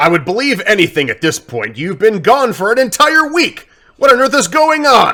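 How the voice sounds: In a put-on character voice, a man sounds gruff at an extremely high pitch, moving at a moderate pace on a very clean recording with a silent background.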